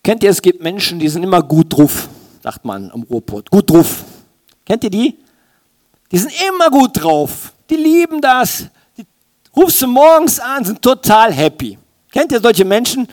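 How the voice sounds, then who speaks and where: A man's voice: sits high, very animated, a little slow. A man preaching a sermon in an informal, colloquial way, animatedly speaking straight to his listeners. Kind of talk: sermon in informal youth language.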